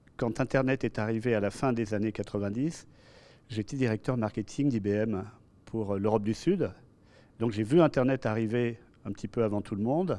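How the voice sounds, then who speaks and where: Over a quiet background, a man with a dark, mellow tone and medium pitch talks at a moderate pace, with ordinary pitch variation and long, frequent pauses. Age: 60s. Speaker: entrepreneur. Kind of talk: TV interview. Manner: hesitant, many fillers.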